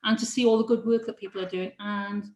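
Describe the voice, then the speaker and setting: A middle-aged woman, a careers adviser, talking in a halting, laughing interview manner with many restarts. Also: mid-range voice, flat delivery. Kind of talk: casual interview chat. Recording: echoey room.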